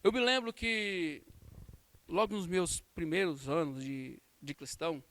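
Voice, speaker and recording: A man's voice: on the high side, unhurried, no echo. A man with a Brazilian Portuguese accent teaching a Sunday school lesson as pastor, telling a story and acting out the lines people said. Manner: storytelling with acted-out quotes and warm laughs. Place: church.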